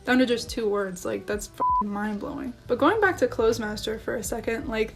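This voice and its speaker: Chatty, excitable young woman vlogging. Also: on the high side. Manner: animated, chatty, heavy filler words, excitable. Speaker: language-learning vlogger. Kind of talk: casual chat to camera. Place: living room at home.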